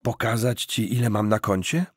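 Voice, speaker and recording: A man voicing a naive, doubtful young man in an audiobook, speaking in a slow, wary, questioning way. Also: fairly low pitch, fairly even intonation, husky, no echo, clean studio sound. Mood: baffled.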